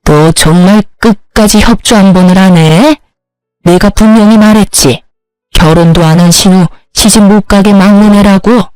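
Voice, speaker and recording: A woman's voice: medium pitch, normal speed, a little mellow, clean tone, no echo, soft background music, close to an everyday voice, rough recording. A woman voicing a pushy, domineering older mother-in-law who gives scolding commands, in a storybook reading. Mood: angry.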